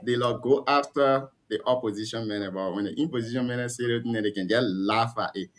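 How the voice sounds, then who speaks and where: A man hosting a political talk show, lively and challenging his guests. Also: mid-range voice, brisk.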